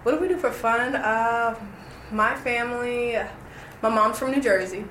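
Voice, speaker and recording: A woman's voice: fairly high pitch, measured pace, a bit bright. A young woman, recalling her early life in an oral history interview, reflective and hesitant with many fillers. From Roanoke, Virginia. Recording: echoey room with noise.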